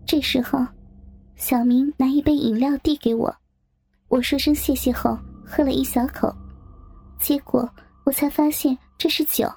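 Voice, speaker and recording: A woman narrating a first-person story softly, with music behind. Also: sits high, steady tone, unhurried, gravelly.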